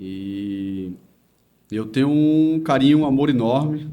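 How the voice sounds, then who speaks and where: His pitch moves in an ordinary way. The man's tone is dark and mellow. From Brazil, Bahia (Salvador). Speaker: church member giving testimony. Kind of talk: testimony interview.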